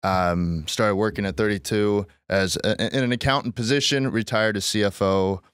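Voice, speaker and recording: A man's voice: on the low side, steady tone, normal speed, fairly bright tone, smooth, no echo. An American man in his twenties, born in Estonia, telling his story casually as a podcast guest on a close microphone. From born in Estonia, raised in the US Pacific Northwest from age six. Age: 20s.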